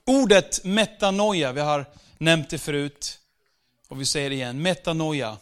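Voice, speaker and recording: A man giving a conversational church sermon, slowing down for scripture and sometimes raising his voice for emphasis. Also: on the high side. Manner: conversational preaching with fillers, slows for scripture, bursts louder for emphasis. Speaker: pastor.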